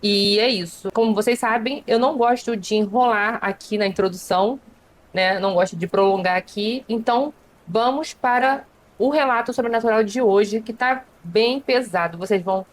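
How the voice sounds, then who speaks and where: A woman with a Brazilian accent hosting a story channel, narrating confessional accounts in a conversational way with small pauses. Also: fairly high pitch. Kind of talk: reading a listener's confessional account aloud.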